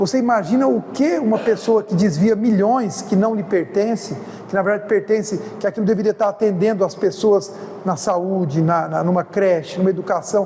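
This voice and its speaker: A high-pitched man at a moderate pace with ordinary pitch variation, amid noticeable background noise. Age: 60s. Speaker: spiritist lecturer. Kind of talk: lecture.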